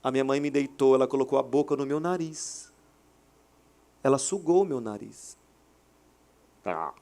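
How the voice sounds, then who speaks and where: A man in his thirties preaching a sermon at a church service, animated, acting out quoted dialogue. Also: mid-range voice, moderate pace. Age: 30s. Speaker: pastor. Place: hotel auditorium church service.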